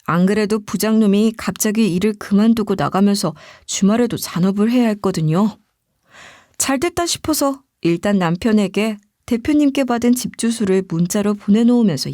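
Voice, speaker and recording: A woman reading a first-person story aloud in a scripted, expressive storytelling style on a close mic. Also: medium pitch, normal speed, dry recording. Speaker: story narrator.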